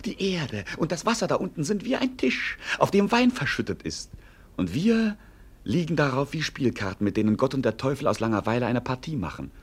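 A swooping, witty drunken jester. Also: male voice, mid-range voice, very animated, brisk, breathy edge. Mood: mocking, exuberant. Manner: declamatory, mock-pompous. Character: witty drinking jester, carefree, earthy mocking male companion. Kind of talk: theatrical German radio play acting.

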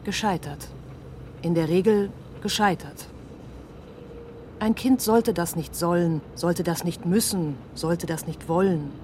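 A woman's voice: lowish voice, a little mellow, slight background noise. A woman playing the grieving, bitter child of Holocaust survivors in a literary radio play, speaking in grave fragments. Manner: fragmented short phrases, grave delivery. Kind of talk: literary radio drama monologue. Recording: music behind the voice.

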